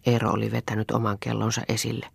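A woman narrating a literary novel for an audiobook in a measured, subdued way. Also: extremely low pitch, completely flat delivery, dry recording, clean studio sound. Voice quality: husky, gravelly.

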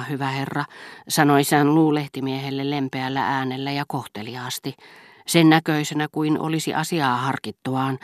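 A woman narrating a literary audiobook in a measured, even-toned way. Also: very deep voice, no echo, studio quality. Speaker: audiobook reader.

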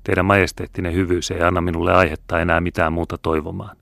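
A man's voice: low-pitched, level tone, gravelly, a bit bright, no echo, clean studio sound. A man reading the part of a young captive noblewoman, respectful and anguished. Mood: dutiful. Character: young noblewoman prisoner, torn and tearful.

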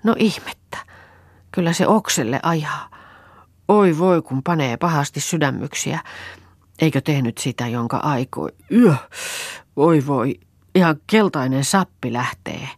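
A woman's voice: low voice, animated, no room sound, clean studio sound. A woman voicing a fretful, grumbling young countrywoman who wails and mutters complaints, in a storybook reading.

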